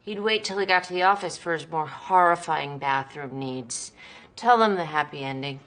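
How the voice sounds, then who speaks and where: A woman's voice: deep voice, moderate pace, a bit bright. An actress playing a bossy, sarcastic married woman who teases her friends with dry put-downs. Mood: teasing. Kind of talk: sitcom acting.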